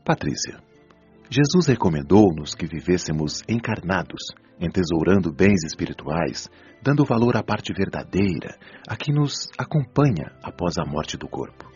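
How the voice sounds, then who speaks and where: A patient, didactic spirit counsellor in a Brazilian radio drama, acted by a man. His voice is deep and animated, gently admonishing as he teaches. Music plays under the slightly dull recording. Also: normal speed, husky, exaggerated voice. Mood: solemn, teaching. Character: patient, wise male spirit doctor counselling souls. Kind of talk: Brazilian audio drama acting. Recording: dull lo-fi audio, music behind.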